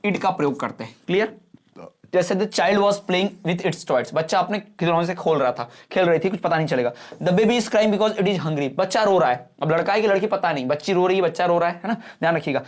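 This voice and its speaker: A male exam-prep teacher giving an online lesson in mixed Hindi and English, explaining patiently and often checking whether the students have understood. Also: high-pitched.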